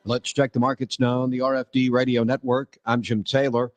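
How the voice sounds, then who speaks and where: A man's voice: mid-range voice, little pitch movement, a little fast, very noisy. A man reading stock and commodity prices as a radio market reporter, in clipped, list-like phrases.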